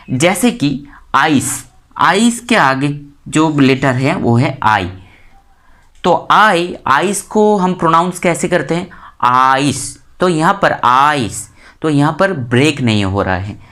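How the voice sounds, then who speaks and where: A woman from India teaching English grammar in Hindi, saying each example word slowly and more than once to stress it. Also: low-pitched, fairly bright tone. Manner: repeats example words slowly and stresses them. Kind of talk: explanatory lesson in Hindi.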